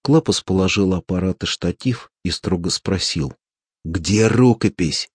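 A man doing scripted audiobook narration in a steady, measured storytelling manner. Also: low voice, breathy edge, no room sound, clean studio sound.

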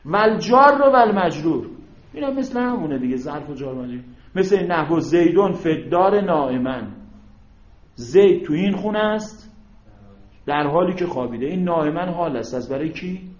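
Male teacher, fairly high voice, lecturing and quizzing his class; dull, roomy classroom recording. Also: animated. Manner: explains step by step, prompting students to fill in words; asks rhetorical check questions. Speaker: Arabic grammar teacher.

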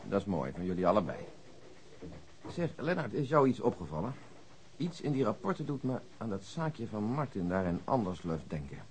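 An actor playing a dry, methodical police detective in a radio play, pedantic and deadpan. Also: male voice, lowish voice, moderate pace, a little hiss or hum. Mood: dry teasing. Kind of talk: radio play acting in Dutch.

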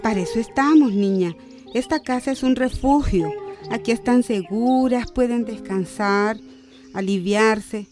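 An actress playing a calm, motherly nun who runs a shelter and gently delivers hard news, in a radio drama. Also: fairly high pitch, measured pace, over music, close to an everyday voice. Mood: soothing. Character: gentle but firm adult female nun.

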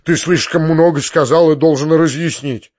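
A man voicing a kindly middle-aged gentleman who pleads loudly in agitation. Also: fairly high pitch, fairly even intonation, normal speed, dull audio, natural voice. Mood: agitated. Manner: loud, pleading.

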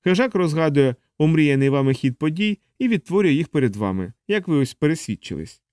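A fussy alien helper lectures in a raised, lively voice, piling up explanations in an audiobook reading, as a male narrator puts him on. The sound is close and dry, with no room around it. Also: on the high side, fairly quick, dry recording, voice pushed up, lightly acted. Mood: lecturing. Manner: didactic, explaining at length. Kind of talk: audiobook character voice.

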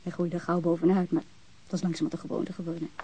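A young woman acting in a crime audio drama as a bereaved woman, frank, guarded and self-possessed, speaking in measured phrases. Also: on the low side, level tone, mellow, slight background noise, lightly acted, low-quality recording. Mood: reflective, frank. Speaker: actress in a radio drama.

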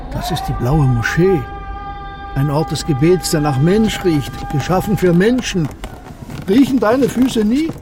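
An actor playing a gentle, wise old Muslim man in a radio drama, speaking in a slow, contemplative and tender way. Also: high-pitched, expressive, over music. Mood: calm, warm. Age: older.

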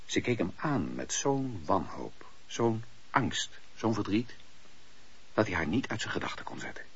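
A man narrating a radio play as an expressive, theatrical storyteller. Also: lowish voice, a little slow, creaky, breathy edge, exaggerated voice. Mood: storytelling. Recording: dull lo-fi radio play recording.

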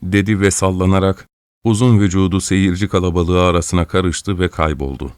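Man reading a story, kinda low voice, dry close sound, steady pace. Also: moderate pace, clean tone, dry recording. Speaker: narrator. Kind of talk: audiobook narration of a story.

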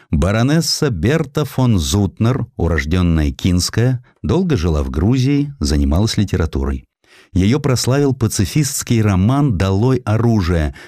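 A low-pitched male narrator reads a historical sketch. His delivery is theatrical and very animated, as if telling a tale straight to the listener. The recording is dry and close. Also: no echo. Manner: theatrical storytelling, addresses the listener. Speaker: audiobook narrator.

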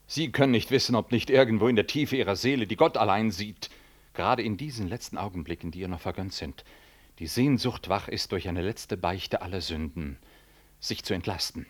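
Actor as a solemn, low-voiced Catholic priest. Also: male voice, natural voice. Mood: solemn, stern. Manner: solemn, formal, deliberate. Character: solemn male Catholic priest, stern, dutiful, quietly righteous. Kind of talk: 1960s German radio drama acting.

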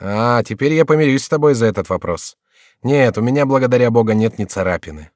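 A man's voice: mid-range voice, expressive, a little mellow, no echo, clean studio sound, close to an everyday voice. A man voicing a wry young nobleman. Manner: wry, brisk, sardonic. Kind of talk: audiobook reading.

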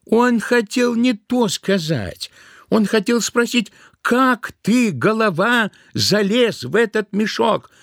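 A man narrating a literary tale in an audio drama with expressive, dramatic storytelling. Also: sits high, takes it slowly, gravelly, no room sound, studio quality.

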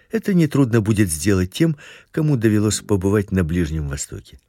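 Slow, husky man reading a Christian lecture. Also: warm tone, no echo, clean studio sound. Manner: slow, measured reading with wide pitch swings. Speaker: Christian teacher. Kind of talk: scripted religious lecture.

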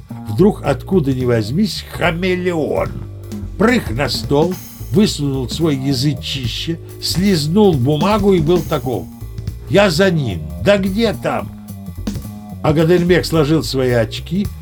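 A man's voice: a little high, darkish tone. An actor playing a boastful old sea captain who narrates his tall tales with chatty, old-fashioned courtesy. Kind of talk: audio play narration.

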